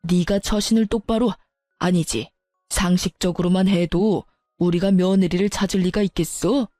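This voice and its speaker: An enraged older father-in-law hurls insults at his grown son, as a woman voices him in a story reading. The voice is mellow and dark rather than bright, close and dry. Soft music plays underneath. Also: fairly low pitch, fairly even intonation, normal speed, no room sound, close to an everyday voice. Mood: furious. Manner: berating, shouting insults.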